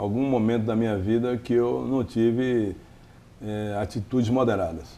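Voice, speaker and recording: Very slow speech in a dark, mellow tone, the intonation fairly even. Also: man. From Bahia, Brazil (semi-arid interior). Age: 60s. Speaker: politician and physician. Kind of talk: interview. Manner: halting.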